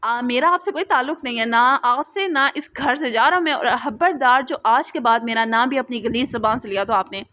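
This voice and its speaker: A woman voicing a furious young man who shouts through clenched anger at his family. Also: fairly high pitch, brisk, few pauses.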